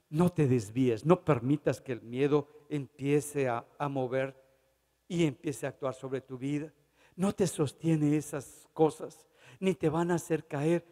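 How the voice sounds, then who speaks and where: A man's voice: on the high side, a little mellow, in a large hall. A man preaching a fervent sermon, building to emphatic exhortations.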